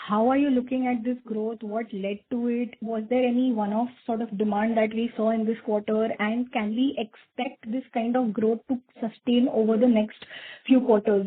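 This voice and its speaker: High-voiced woman on a noisy phone line. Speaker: analyst questioner on an earnings call. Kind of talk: business question-and-answer. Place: conference call over phone. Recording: phone line with clear hiss and clicks.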